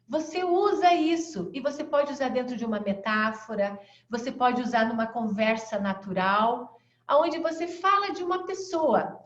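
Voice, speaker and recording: A woman with a Brazilian accent teaching an online class, acting out fast, slow and melodic ways of speaking as examples. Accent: Brazilian Portuguese. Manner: demonstrates voice tones, shifting pace and pitch. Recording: echoey, dull lo-fi sound.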